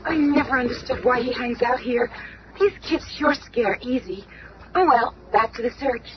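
An actress playing an earnest, protective young superheroine in 1970s radio drama, speaking emphatically on an old, noisy recording. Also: female voice, fairly high pitch, moderate pace, lo-fi sound, natural voice. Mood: searching.

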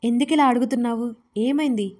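A woman voicing a young man who gently reassures his upset partner. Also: fairly high pitch, brisk, natural voice. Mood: calm.

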